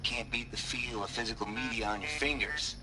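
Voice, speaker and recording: A man's voice: mid-range voice, steady tone, brisk, loud music behind the voice, lightly acted. An actor playing a crude, cynical man who talks in a drawling, sardonic folksy way.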